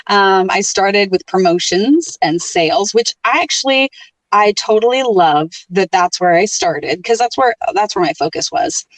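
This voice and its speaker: Animated woman radio programmer, dry and distant. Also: mid-range voice, measured pace, dry recording. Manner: animated storyteller, lively tone. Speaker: radio programmer and on-air host, podcast guest. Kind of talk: casual interview chat.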